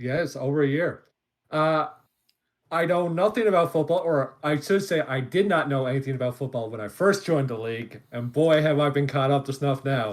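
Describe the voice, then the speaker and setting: Here a man speaks with a Newfoundland accent at a fairly high pitch, using ordinary pitch variation. The recording is very clean and the background silent. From Newfoundland, Canada. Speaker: podcast co-host. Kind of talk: casual chat. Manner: fast.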